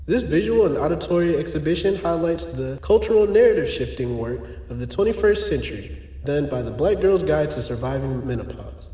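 A man playing an onboard train announcer, making formal, slow announcements. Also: on the high side, mellow. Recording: echoey, distant hall sound.

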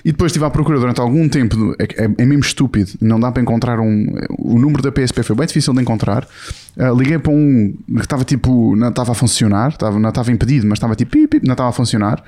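A young man with a European Portuguese accent, co-hosting a casual podcast and telling a story lively, acting out what people said. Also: mid-range voice, very fast. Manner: animated storytelling, acts out quoted voices. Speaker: podcast co-host. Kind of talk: casual chat.

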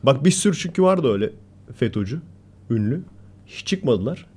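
Mellow-voiced man telling a lively story. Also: medium pitch, normal speed, slightly rough. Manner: animated storyteller, acts out quoted shouting. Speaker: podcast co-host. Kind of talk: casual chat, storytelling.

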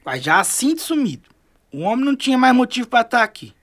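A man's voice: very high voice, big pitch swings, quick pace, fairly bright tone, full character voice. An actor playing a superstitious, fretful riverside man in a radio drama, speaking colloquially. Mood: impatient.

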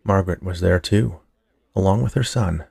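A man's voice: low voice, normal speed, gravelly, a little mellow, slightly rough. A man narrating scripted fiction in an audiobook style, as the host of a story podcast.

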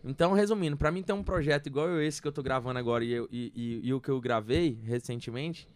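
A Brazilian man with a Tocantins accent talks fast and earnestly as a songwriter guest. His rambling sentences are full of fillers. The sound is close and dry. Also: mid-range voice, no room sound. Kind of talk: casual interview storytelling.

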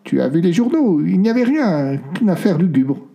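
A man reading aloud and voicing a worried, secretive older grandmother who speaks in a soft, hesitant way. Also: sits high, big pitch swings, moderate pace, gravelly, pitched above the performer's own voice, full character voice. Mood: evasive.

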